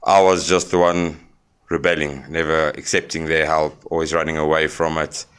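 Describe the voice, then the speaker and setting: Brief: young South African man, very low voice, smooth and clear, frank interview guest. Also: little pitch movement, a bit bright. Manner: plain-spoken, halting with fillers. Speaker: podcast guest. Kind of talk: candid interview storytelling.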